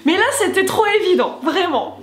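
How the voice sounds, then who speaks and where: A woman's voice: extremely high pitch, expressive, normal speed, faint music behind. A woman youtuber chatting enthusiastically as she opens a gift and reads a letter aloud. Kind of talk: casual vlog unboxing. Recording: roomy echo.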